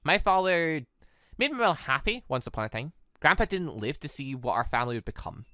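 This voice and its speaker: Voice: mid-range voice, sing-song, fairly quick, bright, forceful tone, no echo, clean studio sound. A performer voicing a prim, proud young heiress in a visual novel, formal, earnest and defensive. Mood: wistful.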